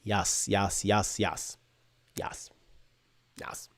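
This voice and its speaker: A man in his thirties from Bahrain with an Arabic accent, hosting a live-streamed tech Q&A from a home room and explaining things in energetic bursts, often tagging on "right?". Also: fairly low pitch, extremely slow, background noise. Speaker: podcast host. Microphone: desk microphone in front.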